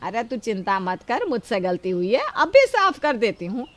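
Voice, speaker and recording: A woman's voice: fairly high pitch, big pitch swings, moderate pace. A middle-aged woman playing a kind, protective mother-in-law who scolds yet shields her daughter-in-law.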